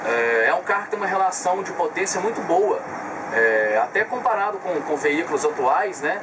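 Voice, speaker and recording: A young man in his twenties with a Brazilian Portuguese accent, calmly explaining his motorhome to an interviewer and pausing on filler sounds. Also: high voice. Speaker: motorhome owner showing his vehicle. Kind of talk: casual interview, explaining details. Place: inside a parked motorhome. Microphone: camera mic, speaker facing the camera at close range. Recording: distant camera mic with clear background noise.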